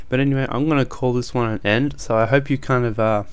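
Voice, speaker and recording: Music plays behind a man's voice. He talks at a fairly quick pace. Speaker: YouTuber vlogger. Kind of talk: casual monologue vlog. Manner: fast; free-flowing, rambling.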